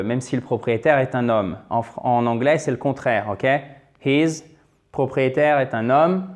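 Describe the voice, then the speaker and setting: A man's voice: medium pitch, darkish tone. A man teaching English grammar in a video lesson, encouraging and repetitive, with frequent fillers. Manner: encouraging, repeats key points, many fillers.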